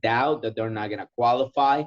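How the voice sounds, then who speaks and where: A man's voice: mid-range voice, brisk, lo-fi sound. A man from Ecuador who speaks English as a second language, coaching informally in a question and answer session and repeating key phrases for emphasis. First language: Spanish. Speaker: sales trainer.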